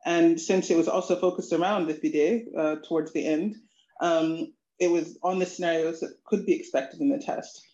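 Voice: medium pitch, steady tone, moderate pace, mellow. An adult language student answering interview questions in a reflective, earnest way. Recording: echoey, muffled lo-fi audio.

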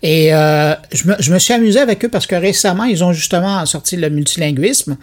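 A man from Quebec with a Québécois French accent, co-hosting a podcast in lively casual chat, laughing and restarting often. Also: high-pitched, fairly quick. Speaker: podcast co-host.

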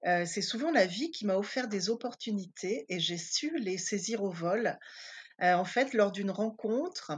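A woman's voice: medium pitch, lively intonation, a little slow, slightly rough. A woman in her fifties from Paris, chatting casually as an interview guest, with many hesitant fillers. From Paris, France. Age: 50s.

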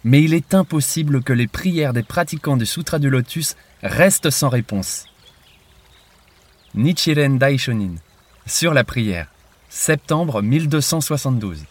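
A man's voice: medium pitch, lively intonation, measured pace. A man solemnly reading a religious quotation aloud for a podcast.

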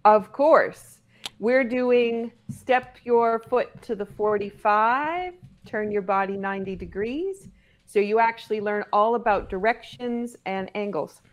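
A woman speaks as a guest in a casual interview. Her voice sits at a middling pitch for a woman. She is playful and encouraging, as if talking with a youngster. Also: slow pace. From Cape Breton, Nova Scotia, Canada. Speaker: podcast guest.

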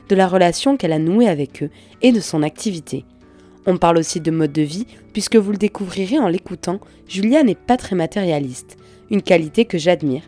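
A woman hosting a podcast, reading a scripted introduction in an even, read-aloud delivery. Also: fairly low pitch. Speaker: podcast host. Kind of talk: scripted narration. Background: soft background music.

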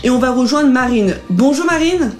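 A woman's voice: high voice, animated, normal speed, a little mellow. A woman hosting a casual radio chat as columnist and interviewer, greeting listeners in a friendly, bubbly way.

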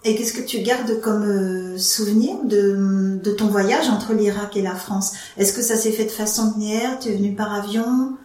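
A woman interviewer asking gentle, measured questions. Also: mid-range voice, steady tone, echoey room, far from the mic.

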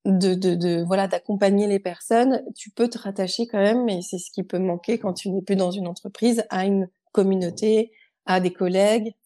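A woman with a very mellow, soft-edged voice of average pitch. She hosts a conversational podcast interview, feeling her way into each question. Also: steady tone, normal speed. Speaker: podcast host.

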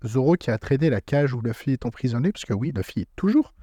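A man co-hosting a casual podcast chat, retelling a manga chapter with lively asides. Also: medium pitch, quick pace, slightly rough, no echo, studio quality. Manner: animated retelling, laughing while acting out scenes. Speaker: podcast co-host.

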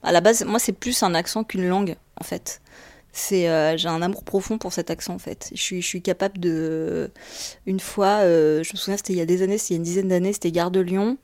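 A woman's voice: on the low side, steady tone, brisk, a little mellow, dry recording. A woman telling a personal anecdote in an interview, enthusiastic, with frequent fillers. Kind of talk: personal testimony.

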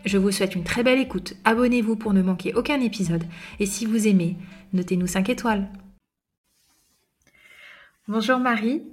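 A woman's voice: medium pitch, normal speed, long pauses. A woman hosting a podcast interview, upbeat and chatty, with many filler sounds. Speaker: podcast host.

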